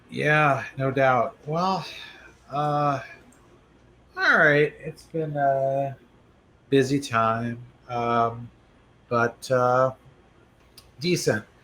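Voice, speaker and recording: Over noticeable background noise, a man speaks at a very slow pace and a medium pitch. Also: fairly even intonation. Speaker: tech journalist and co-host. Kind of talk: casual chat. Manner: halting, many fillers.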